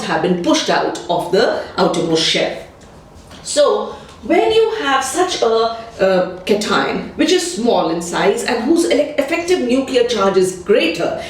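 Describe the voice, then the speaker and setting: A woman chemistry teacher giving a patient, step-by-step explanatory lesson. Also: on the high side. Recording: echoey room, distant mic.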